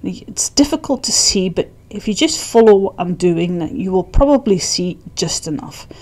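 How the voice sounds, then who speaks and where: A woman's medium-pitched voice with a Dutch accent, very wide pitch swings, a moderate pace, and hardly any pauses. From Netherlands. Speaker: hobby stone painter. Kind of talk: tutorial. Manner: casual, some hesitations and repeats.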